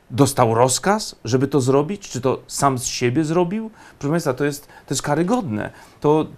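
A man giving indignant, emphatic political commentary, often pausing on fillers. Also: medium pitch, a little mellow.

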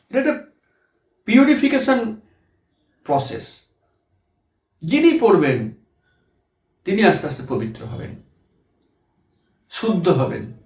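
Man, preacher, devotional talk, earnest, reassuring, high-ish voice, tinny phone-like sound. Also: roomy sound. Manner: earnest, reassuring, rhetorical questions.

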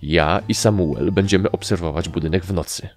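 A man's voice: sits low, brisk, darkish tone, faint music behind, lightly acted. A man doing a bossy, impatient sprite leader. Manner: commanding, impatient. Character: bossy sprite squad leader, easily irritated.

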